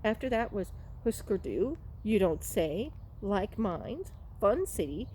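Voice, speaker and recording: Taking her time, a woman with a medium-pitched, darkish voice reads a children's storybook in a very animated way for a library read-aloud. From time to time she fumbles a word and repeats it. The recording is plainly noisy, captured in a room.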